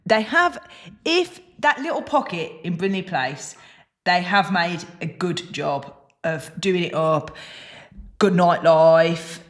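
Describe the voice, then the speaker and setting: A woman's voice: lowish voice, lively intonation, slow. A woman with a Black Country accent co-hosting a podcast in casual chat, easygoing and agreeable, often answering with short "yeah"s. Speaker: podcast co-host.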